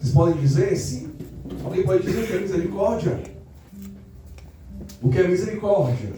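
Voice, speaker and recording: A man's high voice at a moderate pace, with lively intonation, long, frequent pauses, noticeable background noise and audible room echo. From Brazilian Northeast, Salvador. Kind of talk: sermon.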